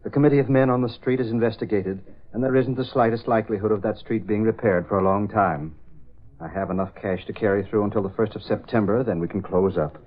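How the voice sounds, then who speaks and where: Actor as a low weary middle-aged shopkeeper, resigned, dull vintage radio sound. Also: male voice, fast talker, close to an everyday voice. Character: despairing middle-aged male shop owner. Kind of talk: 1930s radio drama acting. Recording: muffled old radio recording.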